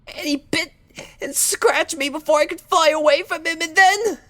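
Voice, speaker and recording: Woman as traumatized girl pony, high-pitched, timid, hesitant, tearful, dry close recording, fan audio drama. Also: fairly bright tone, no room sound. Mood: shaken, hesitant. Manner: halting, hesitant, tearful delivery. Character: timid, traumatized female cartoon pony, gentle and fearful.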